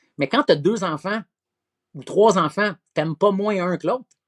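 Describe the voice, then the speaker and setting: Recorded with a dry, close sound and no echo, a man speaks loudly. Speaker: singer-songwriter and former hockey player. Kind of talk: podcast interview. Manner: hesitant, many fillers and repetitions.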